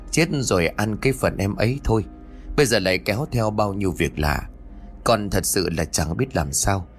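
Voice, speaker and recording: A man's voice: fairly low pitch, lightly acted. A man voicing a worried, deferential landowner's wife who asks for help. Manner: anxious and deferential.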